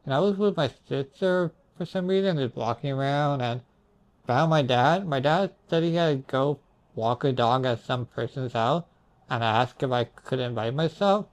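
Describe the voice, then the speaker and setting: A young man with a mid-range voice recounts his own dreams at a moderate pace. He tells them casually and in a rambling way, sounding hazy and puzzled as he trails off into asides.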